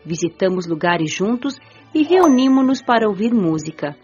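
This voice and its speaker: Actress as a gentle young woman spirit, muffled sound. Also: medium pitch, sing-song, natural voice. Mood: serene, reflective. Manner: measured, earnest, careful storytelling. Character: gentle curious young woman spirit narrating her afterlife. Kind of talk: radio drama first-person narration. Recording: muffled audio with music underneath.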